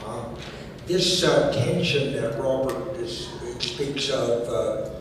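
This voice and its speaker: A man moderating a panel discussion, speaking in a measured, halting way with many fillers. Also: mid-range voice, background noise. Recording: echoey hall, distant mic.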